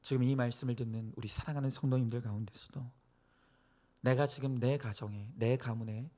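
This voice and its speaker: A male pastor preaching and praying earnestly to a congregation, exhorting them with phrases that swell from hushed to emphatic. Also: a little high. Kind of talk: sermon and prayer to a church congregation.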